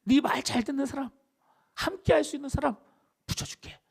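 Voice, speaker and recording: A man voicing God as a gentle, comforting presence, speaking softly and partly in a whisper within a sermon. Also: extremely high pitch, a little fast, gravelly, voice pushed up. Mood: reassuring. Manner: soft and tender, partly whispered.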